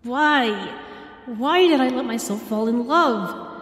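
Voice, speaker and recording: A woman playing a guilt-ridden, protective girlfriend in an intimate audio roleplay, speaking haltingly and emotionally in a breathy, husky voice. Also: fairly high pitch, lively intonation, a bit bright, dry recording, heavily acted. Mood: anguished guilt. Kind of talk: intimate audio roleplay acting, spoken to the listener.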